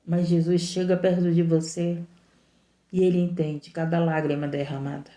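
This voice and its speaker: A woman preaching with fervor, hammering the same phrases again and again. Her voice is deeply dark and mellow. The room around her rings with echo. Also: level tone, normal speed. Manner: impassioned, repetitive, emphatic preaching. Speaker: missionary preacher. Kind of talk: sermon.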